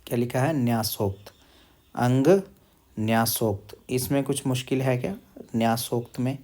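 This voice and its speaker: A man's voice: mid-range voice, flat delivery, darkish tone. A man teaching recitation step by step, drawing out syllables and repeating them as he asks questions. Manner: drills pronunciation, repeating syllables slowly and asking questions; chants verses in slow drawn-out syllables. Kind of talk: slow step-by-step recitation lesson.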